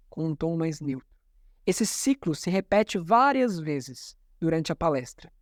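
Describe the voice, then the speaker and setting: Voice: mid-range voice, dry recording, clean studio sound. A communication coach, explaining a talk in didactic commentary and repeating key terms.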